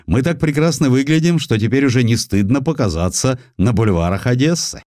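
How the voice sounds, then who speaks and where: A merry German sailor, played by a male narrator in a historical audiobook. He is boastful and jovial, exclaiming with very lively intonation. The sound is close and dry. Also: medium pitch, brisk, dry recording, pitched above the performer's own voice, lightly acted.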